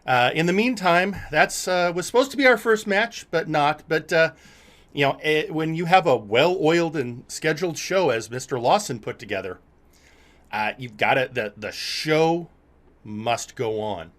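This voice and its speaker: A man hosting and commentating on a wrestling show, speaking haltingly and often repeating his words. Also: fairly high pitch, lively intonation, a bit bright. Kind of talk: live sports-entertainment commentary.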